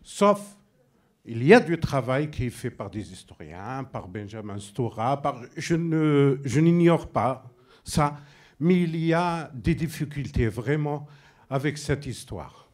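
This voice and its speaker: A man from Algeria whose first language is Arabic, a filmmaker speaking from the floor at a public debate, emphatic and halting. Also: mid-range voice, expressive. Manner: emphatic, halting, with abrupt drops. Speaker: audience member, filmmaker.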